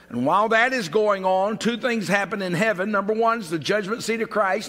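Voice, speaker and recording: A man speaks in a raised, projected voice with ordinary pitch variation. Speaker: pastor. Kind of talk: sermon. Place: church.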